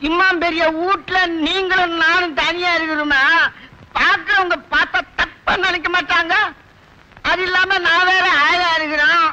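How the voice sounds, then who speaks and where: A shrill, chattering servant full of tall tales in a Tamil film comedy. The voice sits very high and sounds bright and cutting. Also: male voice, fairly even intonation, normal speed, slight background noise, heavily acted, rough recording. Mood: boastful. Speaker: household servant.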